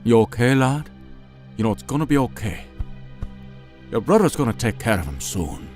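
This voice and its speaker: A man acting a kindly, protective big demon henchman in a fan audio drama, earnest and soft-hearted in manner. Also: medium pitch, sing-song, normal speed, faint music behind, natural voice. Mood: earnest, reassuring.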